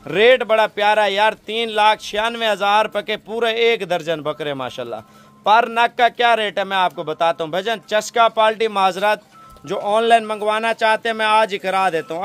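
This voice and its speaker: A young Pakistani man with a high voice talks straight into a phone camera held at arm's length. He makes a persuasive sales pitch from an outdoor goat pen. He fills his talk with pious stock phrases. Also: fairly bright tone. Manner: persuasive, salesy, heavy religious fillers. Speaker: goat farm seller.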